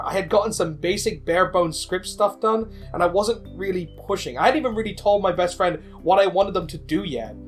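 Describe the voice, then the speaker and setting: Guy w a slightly high voice chatting casually about his stuff, bit of guitar music underneath. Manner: informal, candid, conversational. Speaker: indie game developer and video creator. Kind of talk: personal storytelling voice-over for a video.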